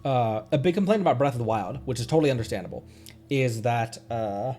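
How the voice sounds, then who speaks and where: A man's voice: medium pitch, expressive, fast, warm tone. Man chatting casually over faint music. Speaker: streamer, VTuber host. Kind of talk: casual chatty gameplay commentary.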